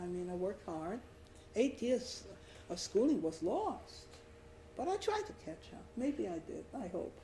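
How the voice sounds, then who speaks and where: With a New York accent, a woman speaks at a fairly slow pace over noticeable background noise. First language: German. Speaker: Holocaust survivor. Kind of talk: public talk with Q&A. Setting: embassy event with audience. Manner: halting.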